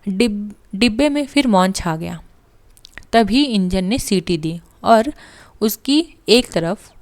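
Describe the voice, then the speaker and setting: A woman literature teacher reading a story aloud and pausing to explain it to students. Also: medium pitch. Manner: slow, deliberate, pauses to explain.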